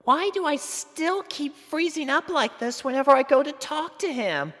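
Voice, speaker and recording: A woman's voice: sits high, animated, normal speed, a bit bright, long reverb tail, pitched above the performer's own voice. A woman voicing a sweet, shy young filly pony with an eager way of exclaiming in a story reading. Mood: nervous.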